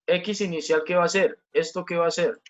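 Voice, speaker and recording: A man's voice: high-pitched, fairly even intonation, moderate pace, lo-fi sound. A man teaching a physics class online, explaining step by step, repeating key points and asking the students questions.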